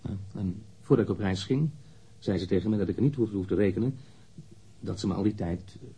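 Radio drama role: wounded, indignant man under questioning; deep, very husky, blunt delivery. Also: a little fast, mellow, rough recording. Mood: resigned, candid. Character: defensive, wounded male lover questioned by police.

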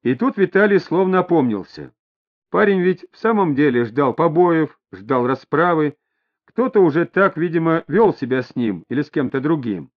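A man narrating an audiobook in measured storytelling. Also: on the high side, animated. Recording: dull lo-fi audio.

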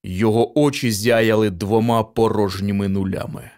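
A man narrating a short story in an even, steady reading voice. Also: fairly low pitch, normal speed. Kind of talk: audiobook reading.

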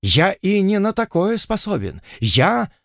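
A man's voice: high-pitched, sing-song, measured pace, vocal fry, no room sound, clean studio sound, voice pushed up, heavily acted. A man doing a smug, pompous aristocratic lord. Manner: languid, self-satisfied, pompous. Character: smug, lecherous aristocratic male envoy.

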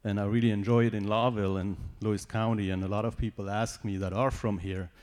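A man's voice: lowish voice, little pitch movement, quick pace, darkish tone. A man from Switzerland with a Swiss German accent, a native Swiss German speaker, giving a personal testimony in church with informal joking asides.

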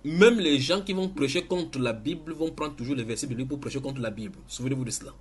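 A man, teaching in church with emphatic, halting delivery full of restarts. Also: mid-range voice, breathy edge. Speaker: preacher.

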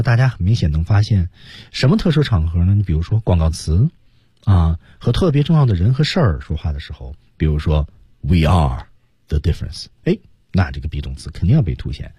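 Guy teaching english pronunciation on the radio, super lively up-and-down voice, dry close sound. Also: low-pitched, fairly quick, breathy edge, no room sound. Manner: explains pronunciation and models English phrases; chatty banter with co-host.

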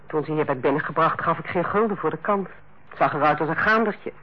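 An actress playing a stern, blunt middle-aged head nurse in a Dutch radio play, with a formal, defensive manner. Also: female voice, sits low, fast. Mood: brisk, businesslike. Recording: dull, lo-fi old radio recording.

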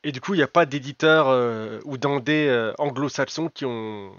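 A man's voice: medium pitch, normal speed, fairly bright tone, dry recording. A man hosting a podcast, asking his guest direct, conversational questions. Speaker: podcast host. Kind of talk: interview questions. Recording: dull, lo-fi dry sound.

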